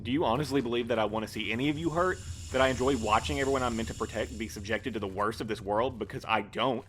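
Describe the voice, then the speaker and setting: A man's voice: medium pitch, quick pace, fairly bright tone, slight background noise, close to an everyday voice. A man playing a prim, reserved, rule-minded boss in an audio drama, speaking formally and with pedantic precision. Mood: earnest, wounded.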